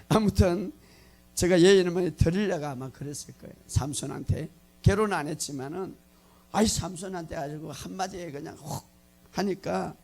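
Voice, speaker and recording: Gravelly-voiced male pastor preaching. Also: high-pitched. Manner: animated storytelling, acting out lines, laughing often. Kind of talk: sermon.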